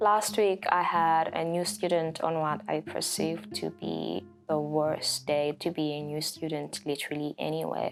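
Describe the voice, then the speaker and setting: A woman talks at a moderate pace with hardly any pauses. Music plays in the background. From South Africa. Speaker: ESL teacher. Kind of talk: personal reflective narration.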